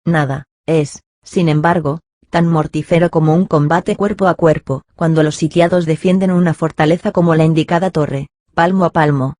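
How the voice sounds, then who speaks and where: Steady male audiobook narrator. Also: fairly high pitch, no room sound, clean studio sound. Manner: steady, measured storytelling. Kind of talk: scripted literary narration.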